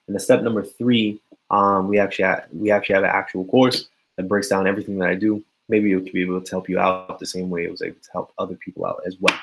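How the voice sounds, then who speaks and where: A man's voice: low-pitched, level tone, quick pace, gravelly, poor audio. A man giving a casual live-stream forex chart analysis, sleepy and yawning, talking loosely with many fillers. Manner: casual, filler-heavy, addresses viewers as guys. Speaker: forex trading educator.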